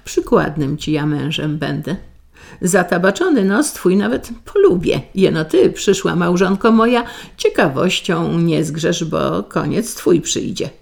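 A sly, long-suffering village husband from a storybook folk tale, voiced by a woman narrator. He speaks slowly and evenly, with a low, gravelly tone. When crossed he snaps out stern warnings. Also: big pitch swings, heavily acted. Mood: calm, sly. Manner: barks sharp warnings.

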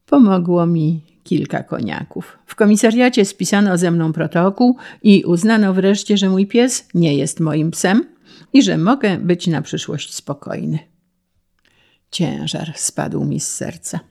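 Slow, gravelly woman reading a wry story. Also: on the low side, animated, mellow. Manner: slow, wry first-person narration. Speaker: reader.

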